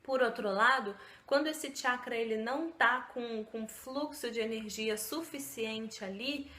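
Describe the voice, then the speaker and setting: Woman vlogger, fairly high voice, echoey room, chatty, lots of tag questions. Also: measured pace, bright, forceful tone. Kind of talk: casual self-help talk to camera.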